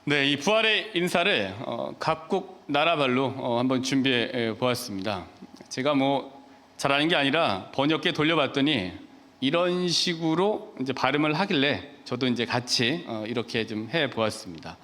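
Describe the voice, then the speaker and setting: A man giving a Mass homily as a Catholic priest, speaking in a measured, gentle way with pauses and soft filler sounds. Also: mid-range voice, lively intonation. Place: church. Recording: church with long reverb.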